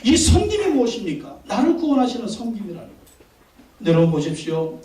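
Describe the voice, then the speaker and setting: A man's voice: high voice, very animated, fast, mellow. Pastor guy preaching hard, repeats lines, echoey hall, mic kinda far off. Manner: emphatic preaching, repeats phrases, asks the congregation questions. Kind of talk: sermon. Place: church sanctuary.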